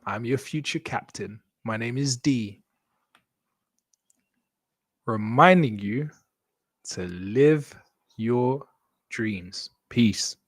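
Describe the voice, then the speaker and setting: A man's voice: medium pitch, animated, drawn-out words, pauses often, no room sound. A man with a Kenyan accent, born in Congo and raised in Kenya, hosting a live show and signing off to his viewers in an upbeat, joking way, often repeating his phrases. English is not his first language. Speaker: host.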